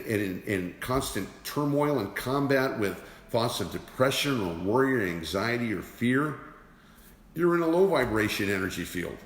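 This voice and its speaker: A man giving a motivational teaching talk as an energy awareness teacher, emphatic and repeating rhetorical questions. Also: medium pitch. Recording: roomy with long reverb.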